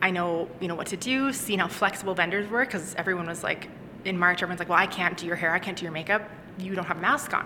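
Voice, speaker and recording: Over noticeable background noise, a woman with a medium pitch talks at a very fast pace with ordinary pitch variation. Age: 30s. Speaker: wedding planner. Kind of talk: casual chat.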